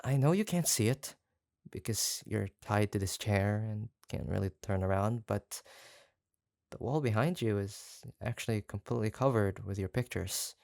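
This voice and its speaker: An actor playing an obsessive, doting yandere kidnapper in a roleplay audio drama, halting and coaxing, tender yet menacing. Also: mid-range voice, lively intonation, creaky, darkish tone, dry recording, studio quality. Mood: eager, sheepish. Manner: halting, gushing, coaxing, with nervous stammers. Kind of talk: roleplay audio drama, intimate one-sided monologue.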